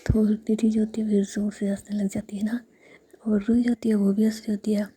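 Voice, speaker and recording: A woman's voice: mid-range voice, level tone, fairly quick, dark tone, breathy edge. Whispering woman telling a story.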